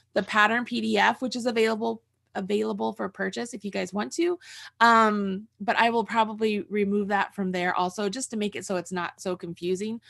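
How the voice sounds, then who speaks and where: A middle-aged woman hosts a casual crochet tutorial livestream over a video call from her desk in a room at home. Her mid-range voice is fairly bright with vocal fry, and she chats and rambles while thinking aloud as she instructs.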